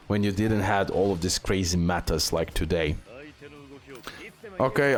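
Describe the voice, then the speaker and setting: Low-voiced man commentating gameplay. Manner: repeats words and phrases. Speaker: gaming video creator.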